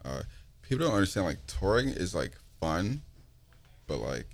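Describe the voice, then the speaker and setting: A young man with a deep voice chats casually. He talks like a frat bro, leaning on slang, loose swearing and a constant "like" as he rambles. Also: very animated, normal speed, vocal fry. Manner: slangy frat-bro talk, frequent profanity and "like". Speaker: interview guest, touring recording artist. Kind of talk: casual chat.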